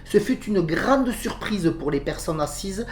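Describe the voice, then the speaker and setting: A woman with a southern French accent co-hosts a podcast and reads out a report, though she hesitates with fillers when speaking freely. Her mid-range voice is animated and a little slow. The roomy home recording carries a slight hiss or hum.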